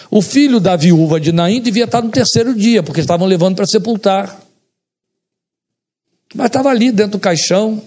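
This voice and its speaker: Male pastor, slightly high husky voice, sermon delivery, questions to the congregation. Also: a little mellow. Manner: asks the congregation rhetorical questions.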